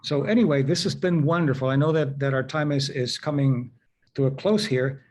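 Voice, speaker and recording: A man's voice: medium pitch, fairly even intonation, normal speed, a little mellow. A man hosting a conversational interview, telling anecdotes and acting out quoted dialogue. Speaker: host.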